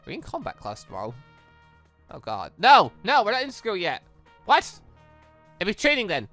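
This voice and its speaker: Animated, bright-voiced visual novel read-along host. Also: mid-range voice, moderate pace, soft background music. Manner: animated, rambling, slips between reading and reacting. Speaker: YouTube host reading a visual novel aloud. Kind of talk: lively read-along commentary with ad-libbed asides.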